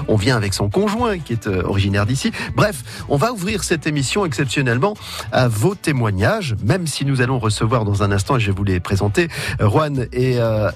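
A man hosting a live radio talk show, jovial and teasing, often stumbling over fillers and restarts. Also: mid-range voice. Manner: hesitant, frequent fillers and restarts. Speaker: radio host. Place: radio studio.

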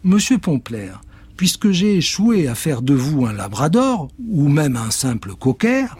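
A man's voice: a little high, sing-song, a little slow, darkish tone, breathy edge, no echo, voice pushed up, full character voice. A man voicing a polite, bumbling good-hearted witch who keeps chanting spells, in a storybook reading.

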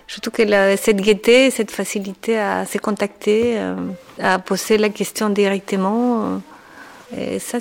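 Chilean woman with a gravelly voice. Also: mid-range voice. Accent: Chilean Spanish. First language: Spanish. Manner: reflective, measured, with frequent hesitations. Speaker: psychoanalyst. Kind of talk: documentary interview.

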